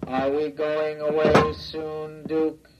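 Droning childlike robot, slow flat voice, dull old radio sound. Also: male voice, a little high, over loud music. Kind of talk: 1950s radio drama acting.

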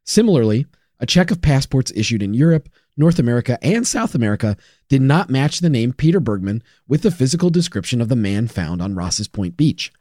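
Man narrating true crime details, mellow dark tone, lively pitch, wry asides. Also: brisk, dry recording, clean studio sound. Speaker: podcast co-host.

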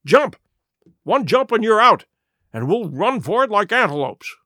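A man doing an earnest gentleman doctor. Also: fairly high pitch, big pitch swings, slow pace, no room sound, studio quality, exaggerated voice. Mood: urgent. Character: kindly, principled gentleman doctor, middle-aged man.

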